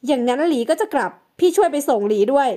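A woman's voice: high voice, lively intonation, fast, dark tone. A woman reading the part of an angry young woman in an audio novel, speaking bluntly.

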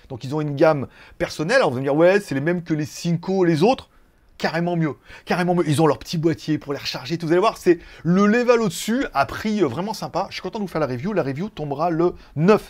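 A fairly high-voiced man from France hosting a laid-back live tech show. He rambles through news and asides, swears casually and laughs at his own jokes, talking straight into a desk mic. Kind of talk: casual live-stream chat.

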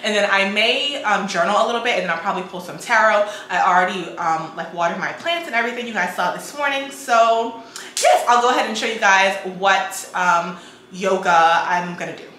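A young woman, a bit hoarse from a cold, chatting casually to her viewers from her home kitchen. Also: mid-range voice, fairly quick, pushed and bright. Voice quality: raspy. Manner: chatty, addresses viewers as guys and y'all. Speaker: lifestyle vlogger. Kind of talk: casual chat to camera. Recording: echoey kitchen with faint noise.

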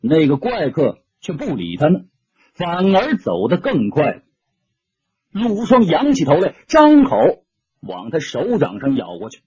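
A man's voice: on the high side, huge pitch swings, a little slow, darkish tone, husky, no echo, lo-fi sound. A man narrating an audiobook story dramatically, shifting his tone with the action.

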